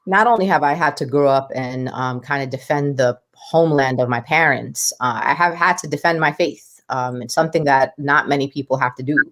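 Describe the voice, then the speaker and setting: A woman's voice: rumbling low, fairly quick, few pauses, fairly bright tone. A woman, speaking as a guest in an interview, talking with passion and emphasis. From United States. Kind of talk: podcast interview.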